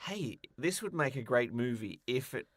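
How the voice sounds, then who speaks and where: A man's voice: mid-range voice, animated, moderate pace, no echo, clean studio sound. A man co-hosting a podcast, chatting casually with wry, joking commentary. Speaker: podcast co-host. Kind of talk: casual podcast chat about games and film.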